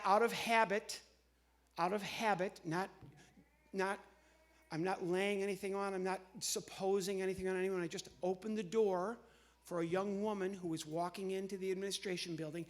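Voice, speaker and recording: A middle-aged American man from the Midwest doing live comedy patter on stage, chatty and halting, often interrupting himself. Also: high voice, fairly even intonation, a bit bright. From Midwestern United States. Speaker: comedian and entertainer. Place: on stage in a large church hall.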